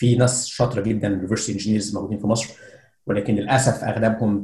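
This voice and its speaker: The voice is dark, mellow and somewhat breathy, with fairly even intonation. It moves at a moderate pace amid audible room echo. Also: man. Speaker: security researcher. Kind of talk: interview.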